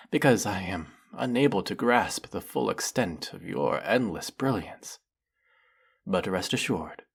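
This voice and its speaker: A man performs a fanatical male demon familiar for a fantasy roleplay. The voice sits very low, with a husky, breathy grain. He speaks slowly and with formal, theatrical reverence, every phrase heavy with worshipful, lovesick devotion. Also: heavily acted. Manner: over-the-top reverent, formal, dramatic. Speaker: voice actor.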